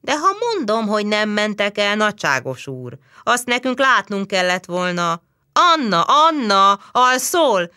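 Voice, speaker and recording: A woman's voice: a little high, very animated, bright, forceful tone, voice pushed up, heavily acted. A woman voicing an anxious building concierge who urges and scolds. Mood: urgent. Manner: insistent, urgent.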